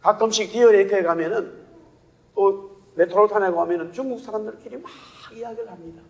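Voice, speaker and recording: A male pastor with a Gyeongsang Korean accent preaching a sermon, telling stories lively and asking the congregation rhetorical questions. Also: very high voice. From Gyeongsang region, Korea. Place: church sanctuary. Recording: long church-hall reverb.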